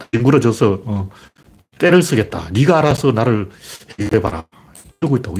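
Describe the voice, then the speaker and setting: A man delivers a casual monologue of commentary in a husky, slightly rough voice. He talks fast and bluntly. His pitch jumps around a lot as he fires rhetorical questions. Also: a little mellow. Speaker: political commentator.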